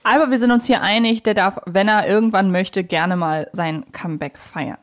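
Woman, podcast host, medium pitch, informal, chatty, conversational delivery. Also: normal speed. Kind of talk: casual chat, podcast discussion.

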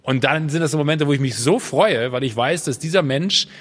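A man's voice: fairly high pitch, a little fast, in a large hall. A man as a podcast guest in casual chat, telling stories animatedly and acting out voices, often restarting his sentences.

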